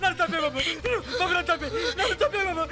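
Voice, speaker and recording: A man's voice: extremely high pitch, lively intonation, fast talker, crowd noise. An actor playing a panicked male servant driver who wails, stammers and begs, with film score behind. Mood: wailing. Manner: wailing, stammering, begging. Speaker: film character. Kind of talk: melodramatic film dialogue.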